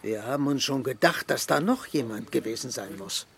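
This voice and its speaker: A man's voice: mid-range voice, lively intonation, normal speed, vocal fry, a little hiss or hum. An actor playing a firm, composed man who is curt and protective in a German radio crime drama. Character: firm, composed man steering his troubled friend.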